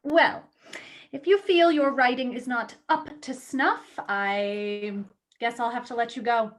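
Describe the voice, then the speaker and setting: A woman's voice: a little high, fairly even intonation, a little slow, close to an everyday voice. A woman acting in a play reading as a blunt, wry magazine editor who is a loyal, teasing friend. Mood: dry teasing.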